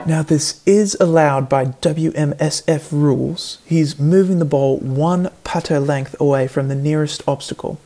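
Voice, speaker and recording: A man giving earnest, deadpan play-by-play as a mock golf commentator in a parody sports broadcast. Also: a little high, a little slow, hardly any pauses. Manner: earnest play-by-play, building to excited outbursts.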